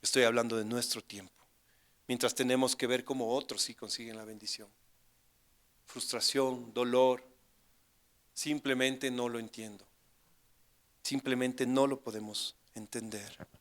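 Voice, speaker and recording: A middle-aged male pastor preaching a sermon, acting out urgent pleas with rising intensity and then dropping to hushed, grave tones. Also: medium pitch, fairly even intonation, measured pace, pauses often.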